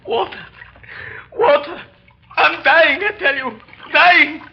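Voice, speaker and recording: An actor playing a starving, delirious convict who begs for water and swears revenge, in a 1930s radio drama. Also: male voice, very high-pitched, takes it slowly, sharp tone, exaggerated voice. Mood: desperate. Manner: croaking, desperate, pleading then threatening. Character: delirious starving male convict navigator, vengeful. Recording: dull old radio recording.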